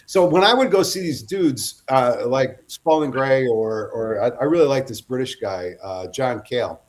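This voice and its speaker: A man's voice: medium pitch, expressive, moderate pace. A middle-aged man, a guest author, telling long rambling anecdotes in a casual interview and often breaking off to restart.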